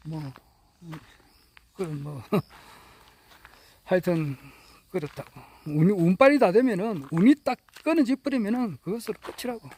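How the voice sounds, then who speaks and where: A man speaks in a high but soft, mellow voice. He rambles in a casual monologue and chuckles often as he talks. His delivery is folksy and earnest. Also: slight background noise. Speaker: political supporter speaking to camera.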